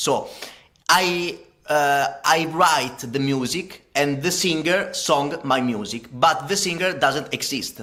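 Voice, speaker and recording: A man with an Italian accent talks at a very slow pace in a fairly high pitch with ordinary pitch variation, while music plays in the background. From Italy, Milan. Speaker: music producer. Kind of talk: interview. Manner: halting.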